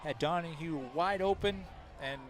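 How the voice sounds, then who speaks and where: A man giving color commentary at a local high school football game, chatty and analytical, often restarting his sentences. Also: moderate pace, crowd noise.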